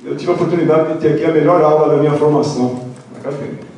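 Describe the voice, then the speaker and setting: An older man with a Brazilian accent moderating a seminar panel, speaking formally and haltingly as he searches for words. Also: on the high side, steady tone, darkish tone. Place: large indoor auditorium at panel table. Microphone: handheld microphone through hall, far camera. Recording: echoey auditorium, distant mic, faint noise.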